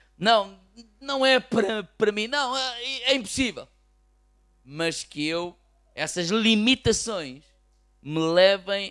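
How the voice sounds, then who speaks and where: This man speaks in a European Portuguese accent, his pitch swinging very widely. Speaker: pastor. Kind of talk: sermon.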